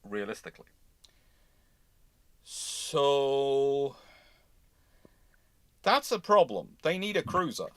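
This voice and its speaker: A man with a medium-pitched voice hosts a live question session in a conversational, opinionated way. He repeats phrases to drive a point home. The sound is dry, with very little room in it. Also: big pitch swings, takes it slowly, long pauses, dry recording. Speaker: host of naval history live stream. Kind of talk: informal live question-and-answer commentary.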